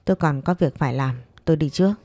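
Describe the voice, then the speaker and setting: Woman reading as composed proud man, low and mellow. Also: quick pace, no echo. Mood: cool, composed. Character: composed, proud man coolly rejecting his former girlfriend. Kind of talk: fireside storytelling, romance story dialogue.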